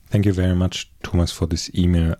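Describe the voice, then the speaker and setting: A man with a German accent hosting a podcast, speaking in a calm, reflective, measured way as he reads and explains. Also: deep voice, no room sound, studio quality. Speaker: podcast host. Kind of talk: calm reflective podcast talk, reading aloud and commenting.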